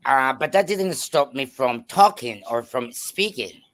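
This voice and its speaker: A man from El Salvador with a Salvadoran Spanish accent, a native Spanish speaker, telling his life story as a guest with many pauses and restarts. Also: medium pitch, lively intonation, fairly bright tone. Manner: hesitant, many fillers and restarts. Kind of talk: personal storytelling in a talk show.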